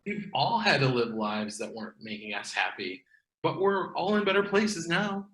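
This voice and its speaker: A man's voice: on the high side, big pitch swings, moderate pace, a bit bright. A man playing a blunt, snarky young sidekick in a comedy table read, heard with echoey room sound.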